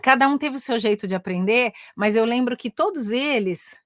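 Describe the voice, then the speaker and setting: A chatty middle-aged Brazilian woman, accented in Brazilian Portuguese, teaches English and mentors careers in a casual online session, repeatedly tacking "né?" onto sentences and making her points with eagerness. Her voice is a little high, with lively intonation at normal speed, recorded in studio quality with no room sound.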